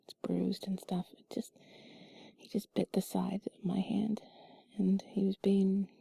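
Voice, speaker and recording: A woman telling a personal story in an intimate, cuddly, breathy whisper, soft, rambling and confiding, as if to one listener. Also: mid-range voice, flat delivery, measured pace, no room sound. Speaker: intimate audio creator.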